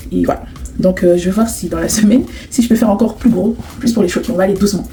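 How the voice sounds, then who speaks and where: A woman's voice: mid-range voice, quick pace, background noise. A woman vlogging casually to camera in a sassy, teasing way, laughing often. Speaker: hair vlogger.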